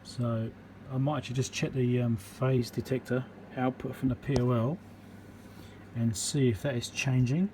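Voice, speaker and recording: A man giving a hands-on electronics repair demonstration, thinking aloud in an informal, halting, step-by-step way. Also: mid-range voice. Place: indoor repair workbench. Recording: steady background hum and room noise.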